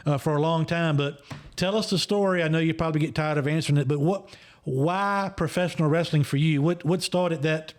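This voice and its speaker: A male podcast host asks his guest long, meandering questions and often restarts mid-sentence. His voice sits a little higher than most men's. He sounds friendly and unhurried. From Emporia, Virginia. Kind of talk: casual interview questions.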